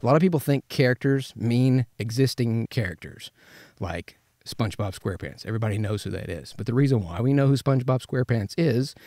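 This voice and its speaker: A man's voice: medium pitch, animated, fairly quick, a little mellow, no echo. A man in his thirties giving informal voice acting instruction in a conversational way on a studio mic. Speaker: professional voice actor giving tips. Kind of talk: informal instructional talk to camera. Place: small padded vocal booth, indoors. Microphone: studio condenser with pop filter.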